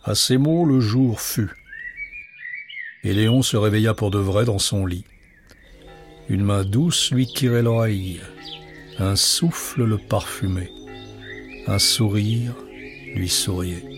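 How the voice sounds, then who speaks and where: A man telling a children's story in a gentle, measured way. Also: lowish voice. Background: music.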